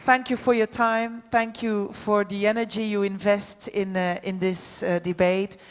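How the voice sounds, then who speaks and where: Female debate moderator, mid-pitched, polite and halting, long hall reverb around the voice. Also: little pitch movement, smooth. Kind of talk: spontaneous live moderating.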